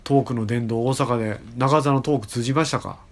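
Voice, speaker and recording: A man's voice: medium pitch, brisk. A middle-aged man hosting a radio talk show, blunt and teasing, often laughing. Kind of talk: casual radio chat.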